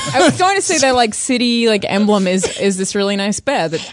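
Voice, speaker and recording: A woman's medium-pitched voice at a moderate pace, with lively intonation and noticeable background noise. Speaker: video game journalist. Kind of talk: casual chat. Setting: studio.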